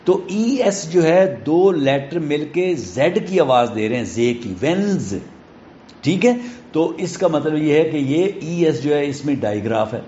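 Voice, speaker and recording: A man with a Pakistani accent teaching a phonics lesson, patiently explaining and reading English sentences slowly, word by word. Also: on the high side, animated, dark tone, a little hiss or hum. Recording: roomy, dull lo-fi classroom recording.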